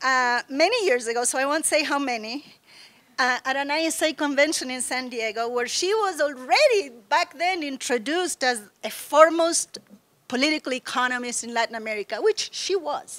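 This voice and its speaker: High-pitched for a woman, her voice carries lively intonation. She speaks at a fairly slow pace. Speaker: professor, panel speaker. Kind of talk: panel talk. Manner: apologetic about Spanish, switches to English. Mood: warm, lightly humorous. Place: classroom. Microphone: podium.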